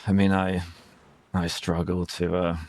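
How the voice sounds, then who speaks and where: Low-voiced, unhurried British man, close dry sound. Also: monotone, a little mellow, dry recording. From Britain. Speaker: English teacher and conversation host. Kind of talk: casual discussion of current affairs.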